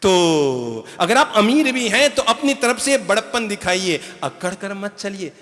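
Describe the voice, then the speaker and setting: Man preaching in a big hall, bright forceful voice, lots of reverb, keeps asking the crowd stuff. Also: high voice, sing-song, measured pace. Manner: emphatic, rhetorical questions to the audience. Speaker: spiritual teacher. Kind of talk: sermon.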